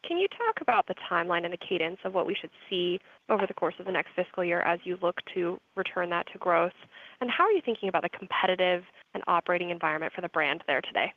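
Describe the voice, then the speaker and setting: A woman analyst asks a polite, precise question on a conference call. She speaks quickly. Her voice comes through thin and tinny, like a phone line. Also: on the low side, expressive, no echo.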